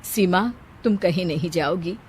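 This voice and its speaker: A woman voicing a gentle older sister. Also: lowish voice, unhurried, slightly rough. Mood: firm. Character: kind, self-sacrificing older sister. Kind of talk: storybook character voice.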